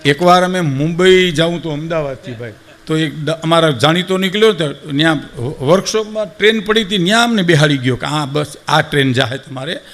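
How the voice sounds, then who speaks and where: A man's voice: fairly high pitch, a little fast, few pauses. An older man with a Saurashtra Gujarati accent telling folk anecdotes to a live audience, acting out the people he quotes and often calling listeners sir. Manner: animated, acts out quoted speakers, addresses audience as sir. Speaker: folk storyteller. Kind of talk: dayro storytelling to a live audience.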